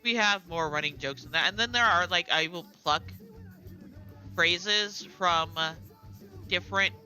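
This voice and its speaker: A woman's voice: on the low side, unhurried, pushed and bright, soft background music, poor audio. A middle-aged woman with a general American accent, chatting casually and rambling with lots of asides while playing a game. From United States. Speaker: gaming streamer.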